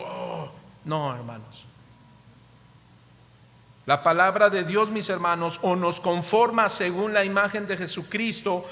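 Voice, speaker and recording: A pastor with a Mexican Spanish accent and a high, slightly bright voice preaches a sermon in a church hall. He puts rhetorical questions to the congregation with emphatic rises, and the hall's long reverb trails his words.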